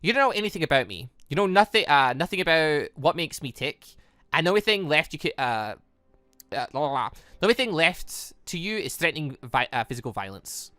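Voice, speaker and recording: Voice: medium pitch, sing-song, brisk, sharp tone, no room sound. A gaming host voicing a defiant young man from a visual novel, argumentative and blustering.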